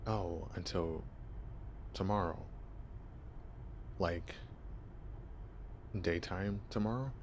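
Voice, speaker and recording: A man's voice: sits low, drawn-out words, pauses often, a little hiss or hum, exaggerated voice. A man playing a shy, flustered young vampire. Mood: flustered, awkward. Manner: nervous, stammering, awkward. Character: shy, clueless young male vampire posing as human. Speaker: voice actor. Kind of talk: ASMR audio roleplay.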